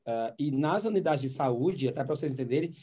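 A man with a mellow, somewhat high voice talks quickly as a doctor. He tells a clinic story conversationally and voices both sides of the dialogue. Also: lively intonation, breathy edge. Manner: recounts cases and acts out the dialogue.

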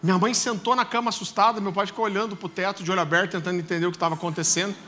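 A Brazilian man preaching a sermon in church, telling a personal story in a lively way and often calling the listeners "brother". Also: sits high, racing, slight background noise. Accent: Brazilian Portuguese. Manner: animated storytelling, addresses listeners as "irmão". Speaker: pastor. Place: church service.

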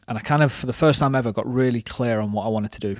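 A man's voice: mid-range voice, fast, no room sound, clean studio sound. A man of thirty chatting casually on a podcast in a reflective, rambling way, explaining his own thinking. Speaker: podcast host and business owner.

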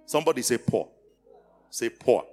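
A man's voice: medium pitch, normal speed, faint music behind. A middle-aged Nigerian man preaching a storytelling sermon, acting out dialogue and calling on the congregation to respond. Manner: animated, acts out dialogue, calls on the congregation. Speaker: pastor.

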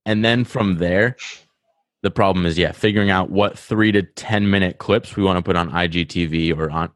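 A man's voice: low-pitched, fairly even intonation, moderate pace, dry recording, clean studio sound. A man with a Rhode Island accent, talking eagerly and at length on a podcast, often restarting his sentences. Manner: talkative, enthusiastic, self-interrupting. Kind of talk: casual podcast chat.

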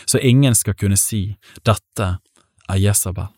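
A man's voice: on the low side, darkish tone, no echo, clean studio sound, close to an everyday voice. A man voicing a stern ancient warrior king in a scripture reading, blunt and commanding.

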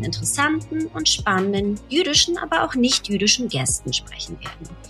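A woman's voice: a little high, fairly bright tone. A woman hosting a podcast, reading a prepared introduction and then asking interview questions. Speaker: podcast host.

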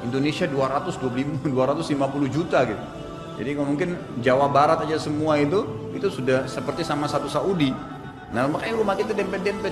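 Male preacher, casual anecdotal sermon, higher-than-usual voice, roomy hall echo, music bed. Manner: conversational, anecdotal, frequent "gitu kan" tags. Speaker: Islamic preacher. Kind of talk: informal sermon. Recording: echoey hall with music behind. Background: background music.

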